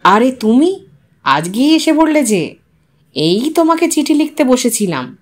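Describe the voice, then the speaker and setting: A woman's voice: sits high, sing-song, a little slow, exaggerated voice. Lady reading as a bantering husband in an audio story, jokey and familiar. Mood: surprised. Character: joking man of modest means, teasing host.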